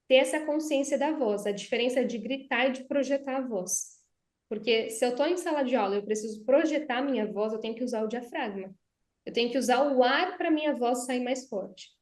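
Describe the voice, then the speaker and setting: Brazilian woman explaining voice technique. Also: sits high. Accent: Brazilian Portuguese. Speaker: guest speech therapist. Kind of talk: conversational explanation. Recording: roomy echo.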